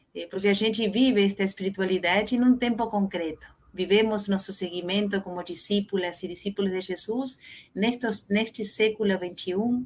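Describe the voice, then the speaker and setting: With a Spanish accent, a woman talks at a moderate pace in a medium pitch with fairly even intonation. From Uruguay. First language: Spanish (speaking Portuguese). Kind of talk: spiritual lecture. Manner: hesitant, frequent 'eh' fillers.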